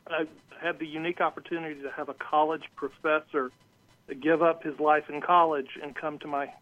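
A man from Georgia, a radio guest telling stories casually and pausing mid-sentence. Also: a little high, flat delivery. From Georgia, United States. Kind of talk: casual autobiographical storytelling. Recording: tinny phone line.

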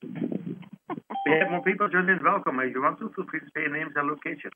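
A man's voice: on the high side, brisk, narrow, tinny audio. A man hosting a conference call, politely welcoming callers and asking them to introduce themselves in set greetings. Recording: phone conference line, noticeable noise.

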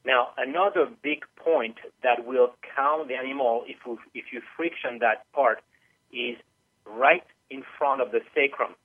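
A man speaks over a narrow, tinny phone connection. His pitch sits mid-range, and he explains things step by step with small hesitations. He is a teacher being interviewed on the radio. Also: measured pace. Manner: patient, explanatory, with frequent uh fillers. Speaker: guest animal massage teacher. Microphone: phone call.

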